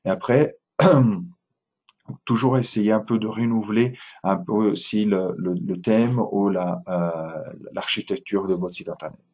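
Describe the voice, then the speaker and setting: Italian guy presenting a webinar, low husky voice, lots of euhs, kinda muffled audio. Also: measured pace. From Italy. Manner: hesitant, many fillers and restarts.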